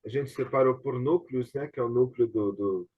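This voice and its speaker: In a mid-range voice at moderate pace, a Brazilian theatre director hosts an informal online discussion, explaining things and often seeking agreement with tag questions. The recording is dull, lo-fi video-call audio.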